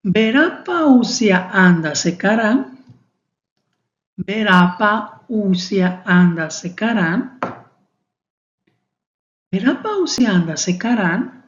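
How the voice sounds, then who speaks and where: Woman in her 30s, drills words super slow over and over, roomy dull recording. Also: mid-range voice, sing-song. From Mexico. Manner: slow, deliberate drilling with many repetitions. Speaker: foreign student teaching a beginner class. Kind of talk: beginner language lesson.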